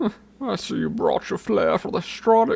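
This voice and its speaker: A man's put-on character voice at a moderate pace. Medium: game stream.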